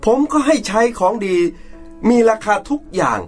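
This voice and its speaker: A man's voice: sits high, wildly swooping pitch, normal speed, husky, faint music behind, exaggerated voice. An actor playing a middle-aged, arrogant rich businessman and father who scolds harshly and bosses everyone around. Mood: complaining.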